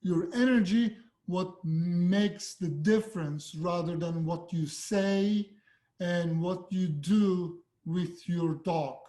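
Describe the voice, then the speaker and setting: Man, high voice, dog trainer, casual and direct. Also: slow pace, mellow. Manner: friendly, direct, loose and conversational. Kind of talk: casual tips video.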